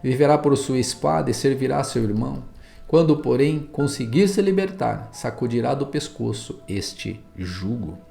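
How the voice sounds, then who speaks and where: A man with a Brazilian Portuguese accent reading the lines of a solemn old father in a Bible story, grave and measured, his voice gravelly. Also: medium pitch, lively intonation, dark tone, faint music behind.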